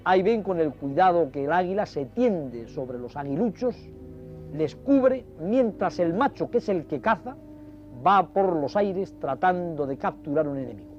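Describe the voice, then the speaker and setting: A man's voice: high-pitched, animated, measured pace, darkish tone. A man presents a nature documentary, explaining to viewers in ornate, dramatic storytelling phrases. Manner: didactic, addressing viewers directly. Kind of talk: nature documentary commentary, explaining over film footage. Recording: dull vintage TV audio, music behind. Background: music.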